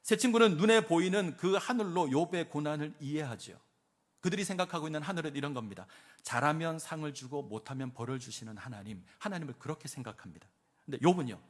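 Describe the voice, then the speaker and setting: A man, a pastor, preaching a sermon and acting out quoted speech with rising emphasis. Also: fairly high pitch.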